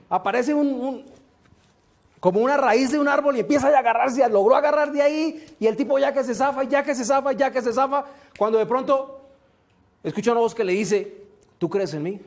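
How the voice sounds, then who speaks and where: A man giving a motivational seminar talk, slow and emphatic, often asking rhetorical questions. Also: very high-pitched. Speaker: motivational speaker.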